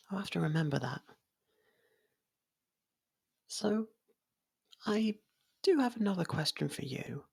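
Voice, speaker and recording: A performer voicing a gentle, lovestruck faerie in an intimate ASMR roleplay, breathy and half-whispered, speaking in a hesitant, halting way. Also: mid-range voice, full character voice. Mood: shy, uncertain. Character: soft-spoken, lovestruck young faerie royal, shy, possessive.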